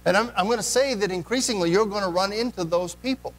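A man's voice: high voice, fast talker, soft background music, rough recording. A man preaching a sermon in a church, earnest, putting direct questions to the congregation. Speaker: pastor.

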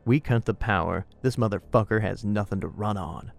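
An actor playing an anxious investigator in a murder mystery audio drama, talking in a conspiratorial, dramatic way over music. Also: male voice, fairly low pitch, normal speed, creaky. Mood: determined.

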